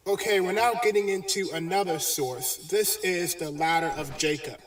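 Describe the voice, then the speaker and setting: A man giving a bible lesson in a halting way, with many pauses and fillers. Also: high voice. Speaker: religious teacher. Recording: echoey, distant video playback.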